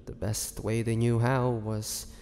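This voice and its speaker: A man playing a weary, bitter young half-vampire prisoner in a dramatic audio roleplay, speaking haltingly and sorrowfully. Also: medium pitch, flat delivery, gravelly, darkish tone. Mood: haunted, pained. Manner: slow, halting, sorrowful delivery with sighs and pauses. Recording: long hall reverb, faint noise.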